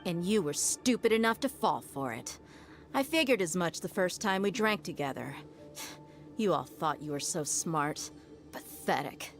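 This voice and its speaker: A woman's voice: fairly low pitch, expressive, unhurried. A woman playing a shrewd, cool-headed young desert mercenary in a video game, speaking in a self-assured, matter-of-fact way. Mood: scornful. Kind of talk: dramatic video game voice acting. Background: music.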